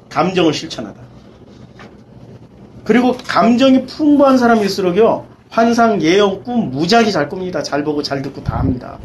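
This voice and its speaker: High-voiced pastor teaching with emphatic swings. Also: male voice, slight background noise, poor audio. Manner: rhetorical questions, mixing casual and polite speech; emphatic, swings between loud and quiet. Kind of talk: Bible study teaching.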